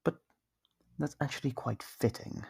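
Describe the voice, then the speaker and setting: An actor voicing a smug, possessive, centuries-old vampire in an ASMR roleplay, slow and condescending, with a gravelly, husky voice and whispered phrases. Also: mid-range voice, fairly even intonation, darkish tone, no room sound, clean studio sound, exaggerated voice. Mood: amused, nostalgic. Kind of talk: ASMR roleplay monologue to the listener.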